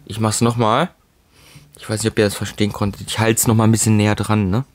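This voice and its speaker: A man's voice: on the low side, little pitch movement, fast, slight background noise. A man hosting a let's play, chatting casually and reading game texts aloud with jokey asides into a close mic. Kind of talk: casual gameplay commentary.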